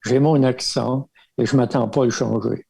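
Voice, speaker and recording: Older Acadian man with a gravelly voice. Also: medium pitch, steady tone, normal speed. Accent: Acadian French from Baie Sainte-Marie. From Baie Sainte-Marie, Nova Scotia. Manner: warm reminiscing, many fillers, chuckles. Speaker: guest, religious brother. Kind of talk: casual storytelling interview.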